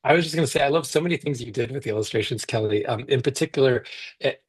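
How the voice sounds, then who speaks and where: A man speaks about his picture book in a relaxed panel conversation. His voice is slightly husky, and he talks with eager, animated enthusiasm, often restarting his sentences. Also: medium pitch, fast talker.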